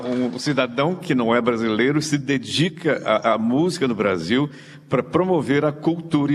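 A man's voice: mid-range voice, long reverb tail. A man hosting an interview, asking questions and offering effusive, formal praise to his guests. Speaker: host.

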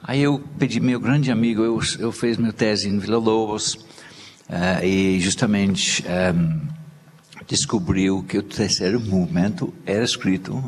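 English guy talking haltingly, keeps restarting, lowish voice, echoey hall. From Britain. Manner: halting, searching for words, many restarts. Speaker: cellist and festival organizer. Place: theater stage. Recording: reverberant hall with light noise.

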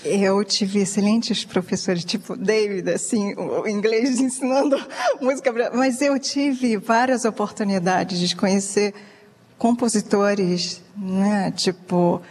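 A woman speaks very slowly and softly, stopping often on hesitant fillers. Her voice has a long reverb around it. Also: mid-range voice, fairly even intonation. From Japan. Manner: soft-spoken with hesitant fillers. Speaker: pianist guest.

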